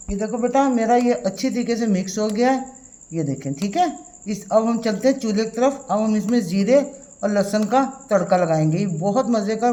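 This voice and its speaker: बैठे गले वाली बुज़ुर्ग माँ जैसी औरत. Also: female voice, mid-range voice, dark tone, rough recording. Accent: Pakistani Urdu. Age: older. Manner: motherly, calls viewers "beta", repeats "theek hai". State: sore throat, strained voice. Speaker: cooking channel host. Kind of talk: home cooking tutorial. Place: home kitchen at the stove.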